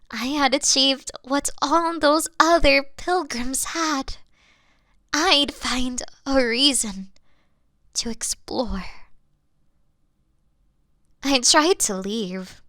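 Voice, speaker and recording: A woman's voice: high voice, bright, forceful tone, no echo, exaggerated voice. Girl doing a possessive elf lady for a fantasy roleplay, super swoopy and sweet, coy and a bit condescending, close dry sound. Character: obsessive yandere elf woman, sweetly condescending, lovestruck kidnapper. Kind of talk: scripted fantasy audio roleplay.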